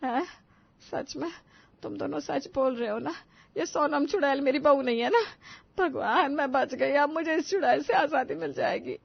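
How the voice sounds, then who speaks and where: A woman voicing a dramatic, complaining elderly mother-in-law in an animated story, wailing and melodramatic. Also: high-pitched, moderate pace, vocal fry, no echo, highs cut off. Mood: relieved.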